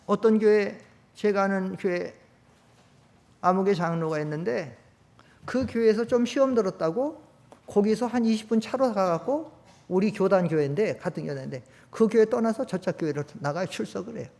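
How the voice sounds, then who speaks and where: An older man, a pastor, preaching a sermon in a church, talking conversationally and swinging between loud emphatic peaks and low quiet storytelling. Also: moderate pace, creaky. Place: church sanctuary.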